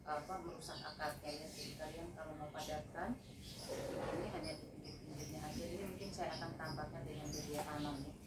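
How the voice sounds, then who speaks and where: A woman's voice: low voice, little pitch movement, brisk, distant mic. A woman grower giving a casual hands-on gardening demonstration at a plant nursery, explaining each step to viewers with many fillers. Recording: echoey, off-mic, with loud background noise.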